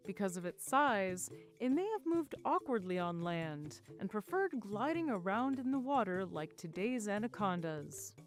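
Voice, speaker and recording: A woman with a voice on the high side narrates a science video, reading a scripted educational text in a clear, explanatory way.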